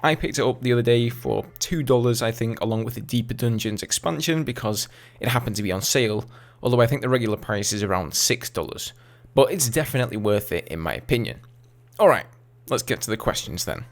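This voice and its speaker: A man in his twenties with an English accent, casually answering viewer questions over gameplay footage in a relaxed, chatty way. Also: mid-range voice, a little fast, creaky. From England. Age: 20s. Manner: chatty, relaxed, with fillers and asides. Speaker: gaming YouTuber.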